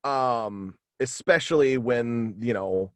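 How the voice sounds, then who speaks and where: A man talking casually as an interview guest on a video call, halting and animated in manner. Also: mid-range voice, dry recording. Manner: halting and animated, slipping into quoted dialogue. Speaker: guest, voice actor and author. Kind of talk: casual interview chat about own radio play. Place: indoors at home, on a video call.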